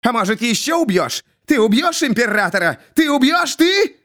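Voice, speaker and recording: A man voicing a mad, erratic jester from a storybook who hisses and breaks into shouts. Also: on the high side, sing-song, moderate pace. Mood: hissing. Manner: jumpy, hissing, bursts into shouts.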